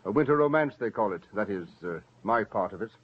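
An actor playing an older, possessive fiancé with a smooth, self-mocking manner, in 1940s radio acting. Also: male voice, fairly low pitch, animated, fast, slight background noise, natural voice. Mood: smug. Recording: dull lo-fi old radio recording.

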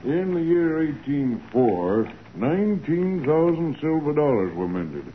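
Fussy, excitable shopkeeper, old radio. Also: male voice, a little high, takes it slowly. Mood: proud. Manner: querulous, repeats himself, muttering. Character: fussy, grumbling male coin dealer, excitable and eccentric. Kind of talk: 1940s radio drama acting. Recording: noisy, narrow-band old radio recording.

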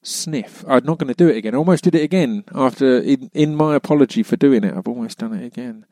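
A man's voice: medium pitch, quick pace, mellow, no room sound. A British man hosting a podcast, chatting casually in a rambling, self-deprecating way. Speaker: podcast host. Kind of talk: casual chat.

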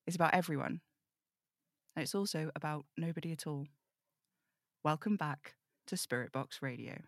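A woman playing an apologetic host of an eerie radio show in an audio drama read-through, conversational, self-deprecating and measured. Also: low-pitched, dry recording, studio quality. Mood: solemn, welcoming. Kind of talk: audio drama table read, scripted monologue.

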